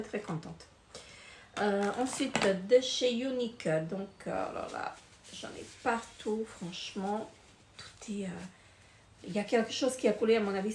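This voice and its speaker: A woman's voice: medium pitch, steady tone, normal speed. A middle-aged woman casually reviewing finished beauty products, hesitant, with many fillers and repeated words. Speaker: beauty vlogger. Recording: echoey room with faint noise.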